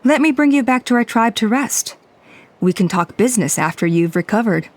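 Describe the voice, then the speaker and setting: An actress playing a composed, businesslike tribal elder in a video game, with an authoritative manner. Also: female voice, on the high side, lively intonation, normal speed, a little hiss or hum, natural voice.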